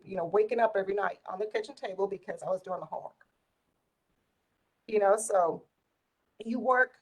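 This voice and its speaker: With a mid-range voice on a rough recording, a community volunteer shares her life stories. She's a middle-aged native Spanish speaker who keeps things casual and conversational, animatedly acting out the quoted dialogue as she retells them.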